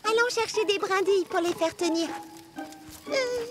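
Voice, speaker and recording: A woman's voice: very high-pitched, moderate pace. A woman voicing a nervous, chatty little girl in a French cartoon dub, stammering when scared. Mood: calm. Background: music.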